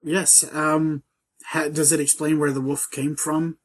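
On a podcast, a male co-host chats casually about a video game, his husky voice fairly high and level in tone. He sounds hesitant and measured, often restarting his sentences.

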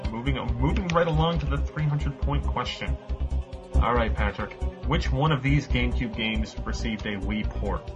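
A man's voice: mid-range voice, moderate pace, over music. A man hosting a casual podcast quiz, reading out questions and answer choices and laughing often.

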